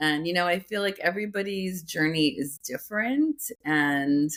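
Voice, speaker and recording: At a fairly slow pace, a woman with a fairly low voice speaks with lively intonation. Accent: Long Island. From Long Island, New York. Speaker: podcast guest, mother. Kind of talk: casual interview chat.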